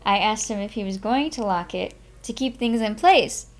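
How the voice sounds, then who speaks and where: A woman's voice: medium pitch, normal speed. A woman narrating a memoir aloud as a live streamer, in an informal manner with her own small asides. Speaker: streamer reading a book aloud.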